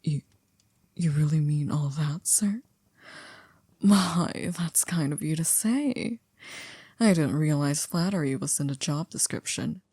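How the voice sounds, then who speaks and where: A woman playing a poised, coolly controlling maid to a vampire in an ASMR roleplay, speaking formally and politely in a hushed, breathy, often near-whispered voice. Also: low-pitched, dry recording, studio quality, exaggerated voice. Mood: touched, teasing. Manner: formal, polite, measured, with stiff wording.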